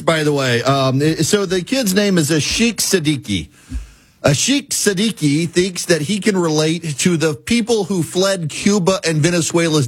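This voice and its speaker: Husky, sarcastic male host. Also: high voice. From Southern United States. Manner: sarcastic, emphatic, repeats himself. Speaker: political talk show host. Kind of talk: opinionated political commentary.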